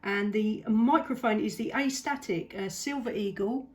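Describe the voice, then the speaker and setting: This CB radio operator, a woman from southeast England, talks casually at normal speed in a medium-pitched voice. Clear radio static runs behind the conversation.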